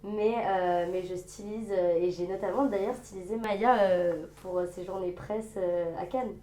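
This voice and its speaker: A woman's voice: mid-range voice, fairly even intonation, moderate pace, mellow, echoey room. A woman from France, a guest in a casual interview, talking in a chatty, enthusiastic way. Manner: chatty, enthusiastic, keeps saying "c'est ça". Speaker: guest, stylist and actress.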